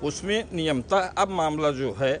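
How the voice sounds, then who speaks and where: A man's voice: on the high side, measured pace, a little hiss or hum. A man speaking as a lawyer to reporters, explaining a court ruling step by step in formal terms. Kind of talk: statement to press.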